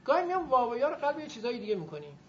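Woman teacher lecturing a class. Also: fairly high pitch. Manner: lively, drills the class in call-and-response. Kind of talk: classroom lecture on Arabic grammar. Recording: muffled recording with faint noise.

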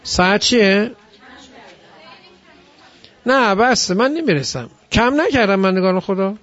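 A man's voice: sits high, lively intonation, a bit bright, muffled recording, a faint crowd. A man teaching a class, explaining grammar and drilling examples aloud. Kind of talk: classroom lecture.

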